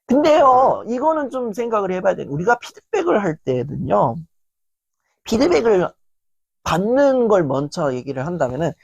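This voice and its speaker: A woman giving a motivational lecture in a lively, animated way, often acting out quotes. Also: medium pitch, moderate pace, creaky, husky, dry recording, dull audio. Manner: animated, acts out quoted lines.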